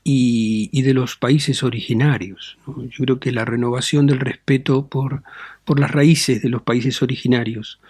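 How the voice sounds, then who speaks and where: A middle-aged man speaks as a bishop in an interview, calm and deliberate, often ending phrases with a questioning tag. His voice sits at an ordinary pitch and is recorded dry and close. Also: breathy edge, dry recording. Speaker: Catholic bishop, interview guest. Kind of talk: measured interview answers.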